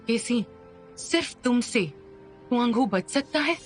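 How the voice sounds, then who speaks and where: A fairly high female voice, a woman voicing a self-doubting young woman who pleads earnestly in a dubbed drama. Faint music sits under her lines. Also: animated, measured pace. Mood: pleading.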